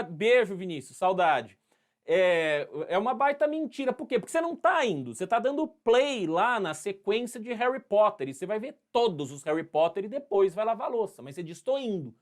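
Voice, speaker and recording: A man's voice: high-pitched, sing-song, fairly quick. A man with an interior São Paulo accent, teaching a live history class in a playful, chatty way, acting out little scenes and greeting students by name. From Brazil.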